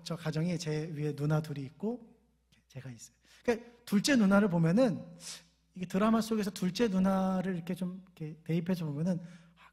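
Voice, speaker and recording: A middle-aged man preaches with a high, somewhat husky voice. He talks to the congregation casually, tells stories about home life and has them repeat key phrases back to him. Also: darkish tone. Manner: conversational preaching with everyday stories and call-and-response. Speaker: pastor. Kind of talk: sermon.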